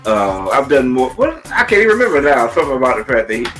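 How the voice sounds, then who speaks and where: A man co-hosting a casual movie review, expressive, acting out quotes and often checking that his listener agrees. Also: medium pitch, fast, soft background music.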